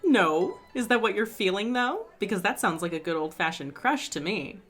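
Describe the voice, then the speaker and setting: A woman's voice: mid-range voice, very animated, normal speed, a bit bright, soft background music. A woman playing a teasing, pushy, upbeat best friend in a fiction podcast, talking casually and playfully. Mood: teasing, encouraging.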